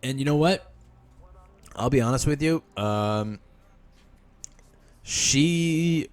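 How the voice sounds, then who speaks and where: A man's voice: medium pitch, expressive, slow pace. A male podcast host reads a listener's post aloud and breaks in with sarcastic asides. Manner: sarcastic asides between read lines. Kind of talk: reading a post aloud with commentary.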